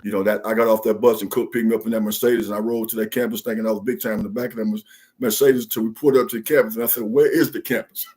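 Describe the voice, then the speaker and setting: A man's voice: fairly low pitch, level tone, racing, a little mellow. A man from Mississippi with a Southern Black American accent, telling stories casually in a folksy, emphatic way, punctuating his phrases with "man.". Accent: Southern Black American, country Mississippi drawl. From Mississippi, USA. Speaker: guest, former college football player. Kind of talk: casual storytelling in an interview.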